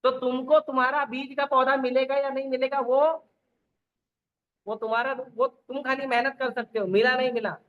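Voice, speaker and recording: Man preaching, high voice, rhetorical questions, repeating lists, dull lo-fi sound. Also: flat delivery, moderate pace. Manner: repetitive listing. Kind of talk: Gita lecture.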